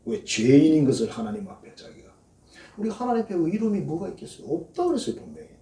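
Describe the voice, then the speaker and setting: A man's voice: fairly high pitch, very animated, quick pace, mellow. A male pastor, preaching a sermon in a folksy storytelling way and acting out quoted prayers in a mocking voice. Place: church sanctuary. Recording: echoey church hall, voice from a distance.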